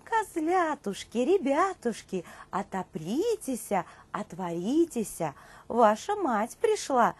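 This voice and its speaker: A woman voicing a loving mother goat from a fairy tale in a singsong, drawn-out call. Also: a little high, sing-song, breathy edge, heavily acted. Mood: tender singsong.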